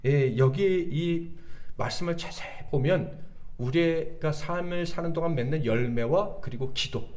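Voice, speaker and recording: A man preaching a sermon as pastor, asking his congregation lively rhetorical questions and calling for amens. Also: mid-range voice. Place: church sanctuary.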